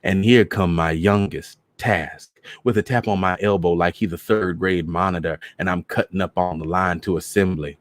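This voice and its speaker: A man with a fairly low voice narrates a short story. His reading is expressive and colloquial, told in first-person vernacular, and the recording is close and dry. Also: normal speed, dry recording. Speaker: host, story reader.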